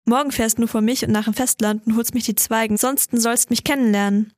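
A woman's voice: fairly high pitch, fairly even intonation, quick pace, dry recording, studio quality, close to an everyday voice. A woman voicing a grumpy old male carpenter who scolds in broken, old-fashioned grammar. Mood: scolding.

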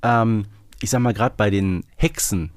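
A man's voice: fairly low pitch, measured pace, no echo. A man co-hosting a podcast, chatting casually and steering the discussion along. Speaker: podcast co-host.

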